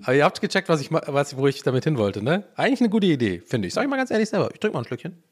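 A man's voice: on the high side, big pitch swings, rapid-fire, breathy edge. A man hosting a solo podcast alone at a home microphone, joking at his own expense, losing his thread and restarting, with a German accent. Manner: jokey, self-mocking, loses his thread and restarts. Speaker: podcast host. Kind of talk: rambling solo podcast monologue.

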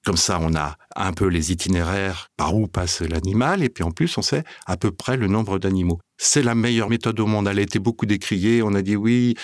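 A man speaking as an expert guest in an interview, explaining in a measured way with lively stresses. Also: deep voice, no echo, clean studio sound. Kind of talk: radio interview.

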